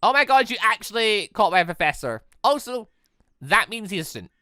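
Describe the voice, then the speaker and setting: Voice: mid-range voice, big pitch swings, brisk, bright, forceful tone, no echo, studio quality, pitched above the performer's own voice. A performer voicing a bold young woman, a playful, teasing and direct friend in a visual novel.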